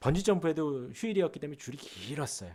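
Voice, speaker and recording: The recording is very clean with a silent background. A man does the talking. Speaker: pastor. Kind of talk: sermon.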